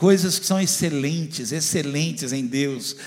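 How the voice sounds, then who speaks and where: A man speaks with ordinary pitch variation. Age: 50s. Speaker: pastor. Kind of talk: sermon. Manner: animated.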